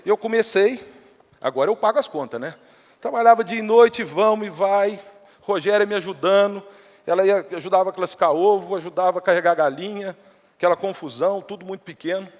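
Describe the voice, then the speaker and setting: Middle-aged man, Brazilian countryside accent, high voice, storytelling talk, long hall reverb. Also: fairly quick. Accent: Brazilian Portuguese, countryside Minas Gerais. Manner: anecdotal, acts out quoted dialogue, chatty asides. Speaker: entrepreneur giving a talk. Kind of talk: motivational storytelling talk to a live audience. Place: stage in a large hall before an audience.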